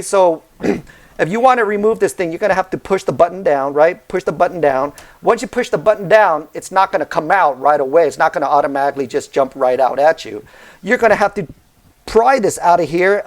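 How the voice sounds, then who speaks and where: A man hosting a casual car repair vlog, chatty and often checking in with listeners by asking "okay?" and "right?". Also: sits high. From United States, Southern California. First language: Vietnamese heritage speaker, fluent in English. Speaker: car repair channel host. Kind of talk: casual how-to vlog talk.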